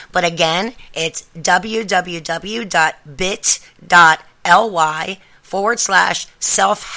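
A woman's voice: lowish voice, bright, forceful tone. A woman hosting a podcast, talking casually and directly to her listeners in an encouraging, instructive way. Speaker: podcast host.

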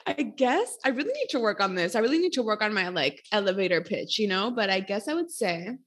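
A young woman in her late twenties, originally from Costa Rica, talks as a guest on a casual podcast. She rambles, laughs often and teases herself, at an ordinary middle pitch. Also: very animated, fairly quick, a bit bright, husky. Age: 20s. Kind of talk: casual chat.

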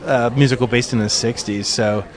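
A man's voice: mid-range voice, fairly even intonation, moderate pace. A man hosting a podcast, chatting casually with theatergoers in a theater concourse, upbeat with lots of fillers. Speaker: podcast host interviewing theatergoers. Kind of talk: casual on-location interviewing.

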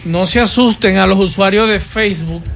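A man's voice: high-pitched, normal speed, creaky, a bit bright, soft background music. A Dominican man co-hosting a radio show, reading news and chatting in the studio.

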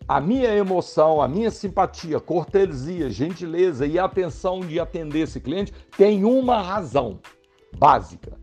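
A man's voice: fairly high pitch, expressive, moderate pace, darkish tone, husky, faint music behind. A man with a Brazilian Portuguese accent giving a motivational sales training talk, emphatic and speaking straight to his listeners. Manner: emphatic, addresses listeners directly.

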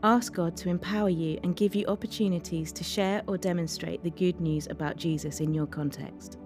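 A woman's voice: fairly low pitch, fairly even intonation, normal speed. A woman reading a scripted Christian devotional as its narrator. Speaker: devotional reader. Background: faint music.

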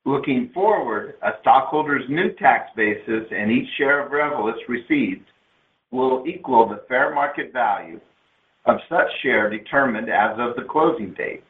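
Male corporate presenter, measured and formal scripted read, phone-band audio with noticeable room echo. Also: mid-range voice, animated. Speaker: company executive on an investor earnings call. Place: conference call line. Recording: narrow phone-line sound, roomy echo.

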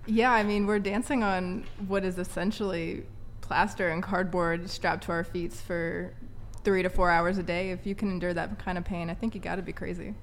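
A nineteen-year-old woman sits on a podcast panel and answers in a relaxed, self-assured way. Her voice sits a little low, with a faint hiss behind it. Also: moderate pace. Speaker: panel guest. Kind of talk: casual interview answers.

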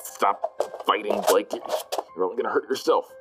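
A man's voice: lowish voice, normal speed, music in the background, natural voice. A man playing an anxious, apologetic peacemaker in a noir audio drama, earnest, hesitant and placating. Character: anxious, apologetic peacemaker, detective's male friend.

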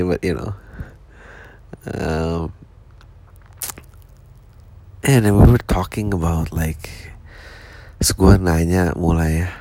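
A man's voice: low-pitched, dark tone, dry recording. A man, a stand-up comedian talking casually and reflectively, full of slang, swearing and English phrases.

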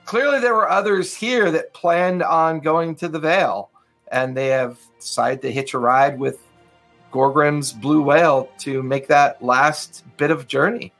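A man's voice: a little high, unhurried, fairly bright tone, faint music behind. Man narrating as game master. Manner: loose, filler-heavy narration.

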